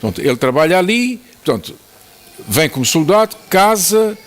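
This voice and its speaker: A man's voice: sits high, big pitch swings, moderate pace. A man hosting a TV interview show, asking leading questions and summing up what his guest says. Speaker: TV talk-show host.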